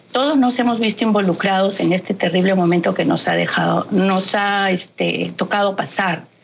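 A woman speaks at medium pitch with ordinary pitch variation, very even loudness, and hardly any pauses. Noticeable background noise runs under her voice. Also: moderate pace. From Peru. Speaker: hospital cleaning worker. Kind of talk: interview.

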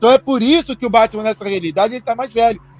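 A man speaks with music in the background. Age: 40s. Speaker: film channel host, podcast guest. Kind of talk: casual chat. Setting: at home in bedroom.

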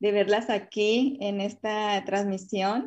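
The speaker is a woman whose pitch is fairly high. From Mexico, Chihuahua. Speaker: talk show host. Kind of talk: casual interview.

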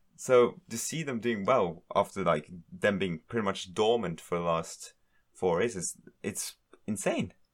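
A man speaks with a normal speaking voice at a fairly low pitch. He goes at a fairly slow pace with ordinary pitch variation. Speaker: viewer and marble racing fan. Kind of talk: casual chat.

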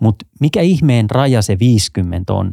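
Recorded very cleanly with a silent background and a dry, close sound with no echo, a man speaks with a dark, mellow tone and ordinary pitch variation. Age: 40s. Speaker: CEO of a training institute, age discrimination expert. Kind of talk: interview. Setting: studio.

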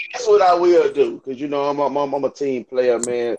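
A man at a fairly quick pace with an American accent. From US South. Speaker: entrepreneur. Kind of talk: casual chat.

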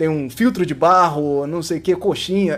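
Pitch variation in this man's speech is ordinary. He talks at a moderate pace. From Rio de Janeiro, Brazil. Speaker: podcast host and creator of the channel. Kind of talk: casual panel discussion.

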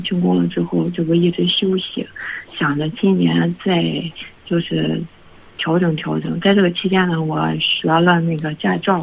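Noticeable background noise fills the clip. A woman talks at a fairly slow pace over it. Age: 30s. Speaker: caller seeking advice on family conflict. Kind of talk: phone-in advice call. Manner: halting, many fillers.

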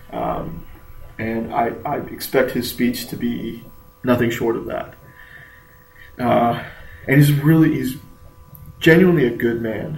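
With an American accent, a man speaks at a medium pitch and a fairly slow pace, with ordinary pitch variation and long, frequent pauses. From Houston, Texas. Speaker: sports podcast host. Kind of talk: casual chat.

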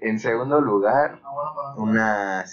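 Speaking in a Mexican accent, a man talks at a very slow pace with a fairly low pitch and ordinary pitch variation. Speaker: podcast host. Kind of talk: casual chat.

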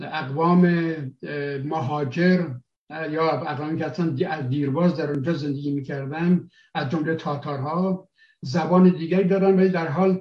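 A man with a plain, everyday voice, pitched fairly high, speaks at a moderate pace with fairly even intonation. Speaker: sociologist and professor. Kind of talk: lecture.

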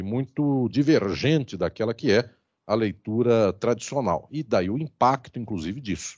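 This man has an ordinary speaking voice. He talks at a fairly slow pace with lively intonation. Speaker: law and philosophy professor. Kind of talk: lecture. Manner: formal.

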